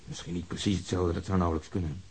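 Husky, blunt, bitter policeman. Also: low-pitched, fairly even intonation, fast talker, a little mellow, rough recording. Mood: cynical. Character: blunt, bitter male police officer, ex-serviceman. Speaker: actor. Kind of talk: radio drama dialogue.

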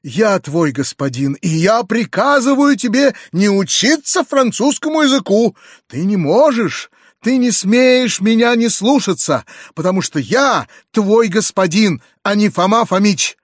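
A man voicing an excitable, kind-hearted middle-aged landowner who talks in agitated exclamations. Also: sits high, unhurried, no room sound, studio quality, heavily acted. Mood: furious. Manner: agitated, exclamatory, rising to shouts. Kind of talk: audiobook character reading.

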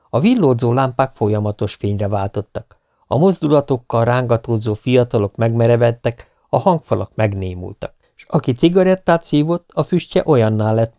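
Gravelly, warm male audiobook narrator. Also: medium pitch, no echo. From Hungary. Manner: steady, measured storytelling. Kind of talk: scripted narration.

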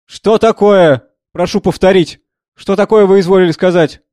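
A man's voice: sits high, normal speed, warm tone, no room sound, clean studio sound, close to an everyday voice. A man voicing a rude, domineering middle-aged financier who talks down to everyone with scornful contempt. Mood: menacing. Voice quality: sneering, scornful.

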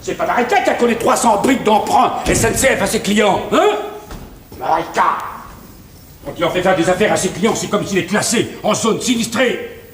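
An actor playing a loud, crude, bossy rich businessman in a 1970s televised stage comedy. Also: high-pitched, expressive, moderate pace. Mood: blustering. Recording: echoey stage, distant mic, noisy.

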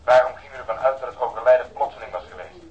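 A man's voice: mid-range voice, racing, lightly acted. Actor as a terse male investigator, slightly dull sound. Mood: probing. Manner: terse, probing, polite. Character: terse, probing male police investigator questioning a doctor. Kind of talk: radio drama dialogue.

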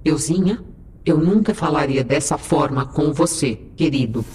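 A woman's voice: low-pitched, animated, a little slow, darkish tone. A woman voicing a sassy female AI first officer on a starship in an audio drama, sly and mock-sweet with her captain. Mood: smug. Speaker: ship's digital assistant.

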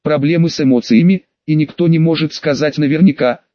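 A man reading the lines of a confident young woman who runs a small talent agency, in a steady, self-assured manner. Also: on the high side, fairly quick, dry recording, close to an everyday voice. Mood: determined. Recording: dull lo-fi recording.

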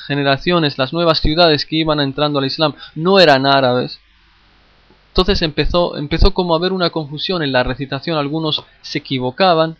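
A man's voice: fairly high pitch, no room sound, lo-fi sound. A man teaching a lesson on Islamic history, addressing his listeners directly, often hesitating, repeating phrases and restarting words. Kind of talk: classroom lecture.

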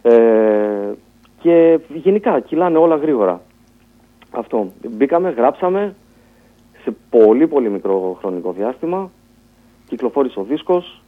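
A man, a band musician talking about his band in a radio interview, telling it in a relaxed way. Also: medium pitch, pauses often. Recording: tinny phone-like radio sound.

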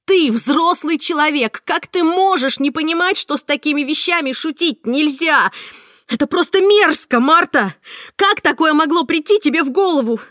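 Brief: woman playing a panicked heroine yelling through tears, loud and very high, dry close sound. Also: animated, normal speed, no room sound. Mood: furious. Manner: shrill, shouting, near tears. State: sobbing. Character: frightened, hysterical young woman on the phone.

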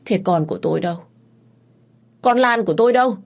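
A woman's voice: quick pace, husky. A woman voicing a frantic mother demanding to know where her daughter's body is. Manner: pleading, shrill.

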